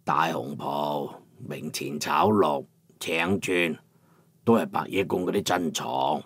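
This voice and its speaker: A man voicing a calm, wise older male craftsman in his fifties who speaks gently, over soft music. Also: very deep voice, breathy edge, dry recording, pitched below the performer's own voice, full character voice. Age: 50s. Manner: gentle, unhurried.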